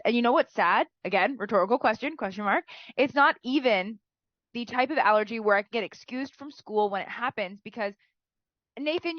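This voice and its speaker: A woman's voice: fairly high pitch, no echo, lo-fi sound. Woman, teacher, nasal from a cold, chatty, dry close sound. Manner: chatty, peppered with "right?" and "like". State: sick, nasal. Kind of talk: classroom writing feedback.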